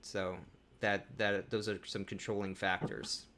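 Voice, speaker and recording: A man co-hosting a live panel talk, speaking in a relaxed, conversational way with frequent restarts. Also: lowish voice, measured pace. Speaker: co-host.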